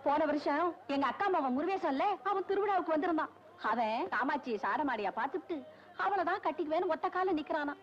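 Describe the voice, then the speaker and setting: A woman's voice: sits high, expressive, brisk. An actress playing a chatty village woman who is keen to arrange a match, with a Tamil accent. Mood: persuasive. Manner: persuasive, chatty. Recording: dull old film soundtrack.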